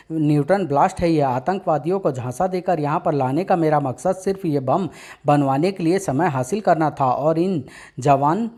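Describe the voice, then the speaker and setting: A man's voice: on the high side, a little mellow, lightly acted. A man voicing an invisible, bodiless male supervillain from a comic story, boastful and menacing.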